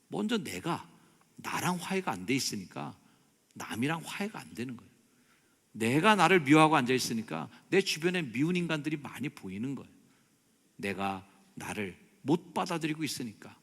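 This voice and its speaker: A middle-aged male pastor preaching a sermon, swinging between loud, animated exclamations and soft, prayerful passages. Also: medium pitch, creaky. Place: church sanctuary. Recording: long church hall reverb.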